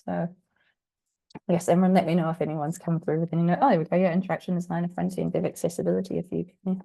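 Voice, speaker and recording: A woman from New Zealand runs a workshop over a video call, her voice husky and croaky as she gets over being sick. She talks in a chatty, self-deprecating way, full of "um" and "sort of", in a fairly low and mellow tone. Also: steady tone, quick pace. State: croaky, recovering from illness. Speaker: workshop presenter. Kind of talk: casual online workshop talk.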